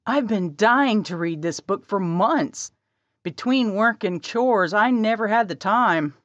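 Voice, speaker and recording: Woman doing excited bookworm girl, higher voice, dry dull sound. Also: slow pace, no echo. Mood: eager. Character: eager young woman, bookish and excitable.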